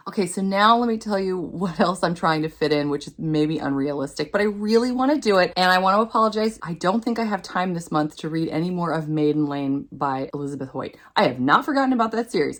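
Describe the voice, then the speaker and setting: A woman chatting casually as a video host about her reading plans, with an excitable, gushing and emphatic manner. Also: low voice. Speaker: book reviewer, video host.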